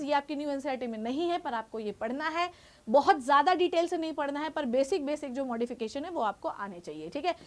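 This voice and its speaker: A woman, a biology exam educator, guiding students directly and reassuringly while mixing in English terms. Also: high voice. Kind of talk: exam guidance talk to students.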